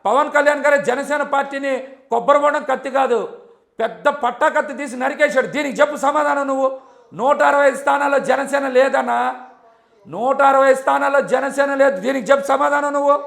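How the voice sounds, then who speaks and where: Guy arguing politics, really high voice, gravelly edge, fast and pushy, keeps repeating his challenge. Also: steady tone, fairly bright tone. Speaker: political party leader as debate guest. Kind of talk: heated political argument.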